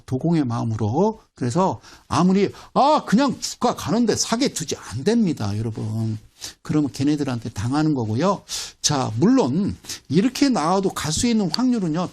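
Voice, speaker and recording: A man giving a broadcast stock market lecture, animated, repeating phrases and quizzing his viewers. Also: on the high side, breathy edge. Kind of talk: broadcast lecture with audience questions.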